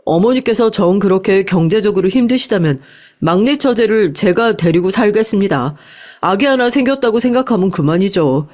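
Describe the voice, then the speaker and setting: A woman's voice: medium pitch, lively intonation, moderate pace, a little mellow, lightly acted. A woman voicing an earnest, polite young man in love, in story dialogue. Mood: earnest, respectful.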